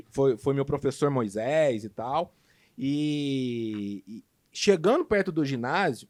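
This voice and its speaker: A man with a Brazilian Portuguese accent, a guest in a podcast interview, telling a personal story with animated, emphatic delivery. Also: a little high. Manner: animated, emphatic retelling with lively swings in loudness. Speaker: guest entrepreneur.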